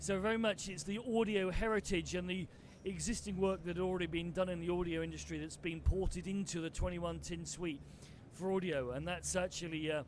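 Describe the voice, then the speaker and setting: With audible room echo, a man speaks at a high pitch and a fairly quick pace. His intonation stays fairly even. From UK. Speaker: broadcast technology engineer. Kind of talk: conference talk. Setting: trade show stage with PA.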